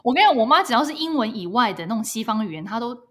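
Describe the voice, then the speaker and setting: A woman from Taiwan living abroad, co-hosting a podcast in casual, animated chat and laughing often. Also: a little high, very fast, a little hiss or hum. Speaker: podcast co-host. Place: lives in Canada.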